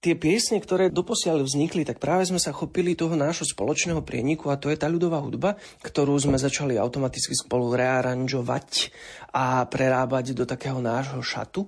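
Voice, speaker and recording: Against a quiet background, a man with a fairly high pitch talks at a fairly quick pace in a normal speaking voice, his loudness very even and his pitch varying in an ordinary way. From eastern Slovakia. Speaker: pianist. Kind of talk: interview.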